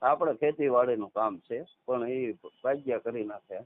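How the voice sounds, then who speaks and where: Saurashtra gujarati guy in his 30s, medium pitch, calling in on a thin phone line, halting short bits. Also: no room sound. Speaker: caller, farmer. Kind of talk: casual phone conversation. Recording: tinny, narrowband phone call recording.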